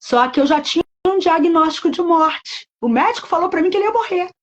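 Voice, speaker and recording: A woman's voice: extremely high pitch, lively intonation, brisk, dull audio. A woman pastor, giving an emotional personal religious testimony in a repetitive storytelling manner. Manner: emotional, repetitive storytelling with many quoted voices.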